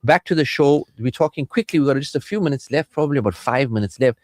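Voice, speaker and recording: A man's voice: mid-range voice, quick pace, darkish tone, no room sound, studio quality. A man with a South African Indian accent chatting casually as a radio host and counsellor, playful and rambling. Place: radio studio.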